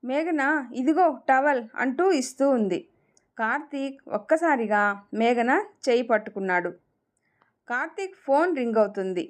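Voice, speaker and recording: A woman narrating a romantic family story, reading it aloud in an expressive storyteller's manner. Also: on the high side, normal speed.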